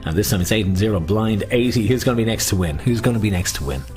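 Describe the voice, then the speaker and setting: A man hosting an online game as a bingo caller, with chatty, jokey patter and drawn-out number calls using traditional nicknames. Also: on the low side, expressive, a little mellow, faint music behind.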